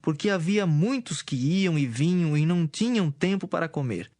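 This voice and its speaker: A man's voice: fairly high pitch, lively intonation, moderate pace, darkish tone, no echo. A man giving solemn scripted narration as the narrator of a dramatized Bible. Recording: music behind.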